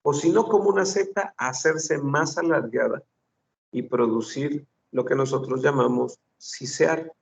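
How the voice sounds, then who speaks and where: A man's voice: a little high, a little slow, gravelly, far from the mic. A man teaching a French phonetics class, patiently repeating sounds and examples. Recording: dull lo-fi recording.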